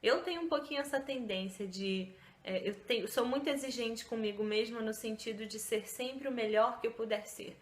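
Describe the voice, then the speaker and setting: A woman's voice: fairly high pitch, normal speed, hardly any pauses, reverberant. A woman vlogger giving casual self-help talk to the camera, chatty, with many fillers and tag questions.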